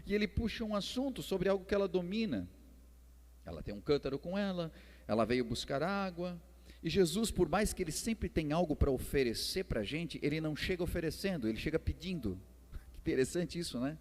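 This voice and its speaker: A man's voice: a little high, big pitch swings, brisk. A man with a Brazilian accent preaching a sermon in a conversational way, retelling a Bible story and repeating phrases for emphasis. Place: church hall during a service. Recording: echoey hall reverb with music behind.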